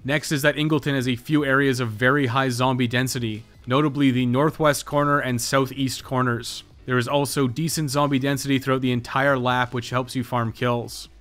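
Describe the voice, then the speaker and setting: A man's voice: medium pitch, little pitch movement, normal speed, hardly any pauses, a bit bright. Man narrating a game guide over music.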